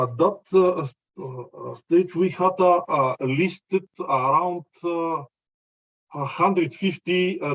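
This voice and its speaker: A man from Bulgaria with a Bulgarian accent gives a conference presentation in halting non-native English, often searching for words. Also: fairly high pitch. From Bulgaria, mining region near Chelopech. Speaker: mining company representative giving a presentation. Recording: slightly dull, lo-fi audio.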